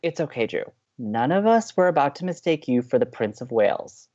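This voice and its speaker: A woman's voice: very deep voice, very animated, a little fast, mellow, lo-fi sound. A woman playing an upbeat, teasing, hopelessly romantic college radio co-host in an audio drama, talking in playful, emphatic banter. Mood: teasing, insistent. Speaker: actor in a romantic comedy podcast.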